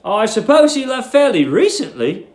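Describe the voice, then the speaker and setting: A man's voice: very high-pitched, big pitch swings, normal speed, voice pushed up. A man playing an earnest, polite seventeen-year-old lodger in a story reading, puzzled and hesitantly groping for words. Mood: awkwardly polite. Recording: roomy echo.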